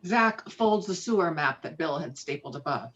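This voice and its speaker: Woman, narrator, fairly low voice, screenplay read-through, muffled lo-fi audio. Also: animated, moderate pace, a bit bright, slight background noise. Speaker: narrator reading stage directions. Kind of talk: scripted narration at table read.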